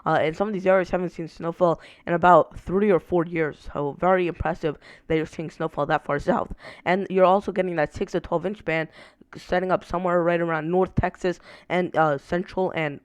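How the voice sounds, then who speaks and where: A young man who is sick and a bit raspy, casually talking through a weather forecast with many fillers. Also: high voice, fairly even intonation, fairly quick, no echo. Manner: many "uh" fillers while walking through maps.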